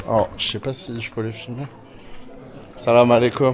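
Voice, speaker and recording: The speaker is a man at a moderate pace. There is noticeable background noise. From France, Tours. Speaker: travel vlogger. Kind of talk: travel vlog talk to camera. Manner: casual, hesitant with many fillers.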